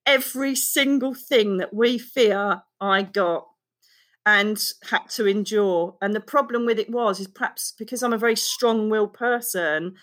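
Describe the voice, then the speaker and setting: Emotional woman telling her story. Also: medium pitch. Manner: emotional, expressive, fast-running storytelling. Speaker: guest author. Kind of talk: candid personal storytelling in an interview.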